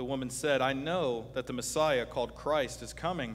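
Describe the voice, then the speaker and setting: A man speaks with vocal fry and fairly even intonation. Light background noise can be heard. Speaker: pastor. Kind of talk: sermon. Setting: church. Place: church.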